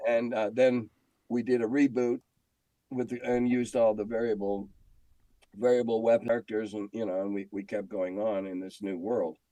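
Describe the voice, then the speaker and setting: An older American man telling stories casually in an interview, candid and halting, often clearing his throat. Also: fairly low pitch, flat delivery, warm tone, no echo, rough recording. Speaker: interview guest, game industry veteran. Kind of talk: casual reminiscing conversation.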